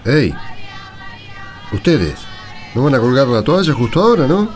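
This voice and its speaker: A man's voice: medium pitch, big pitch swings, measured pace, a little mellow, faint music behind. An actor playing a friendly, persuasive male stranger in a radio play, coaxing and encouraging.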